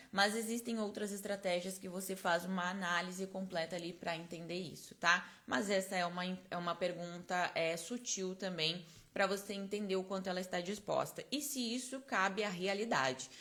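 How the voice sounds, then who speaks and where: An esthetics course instructor from Brazil teaches a live online class, speaking close to a personal microphone. She is chatty and explanatory and keeps tagging her points with small check-in questions. Her pitch is medium with a fairly bright tone.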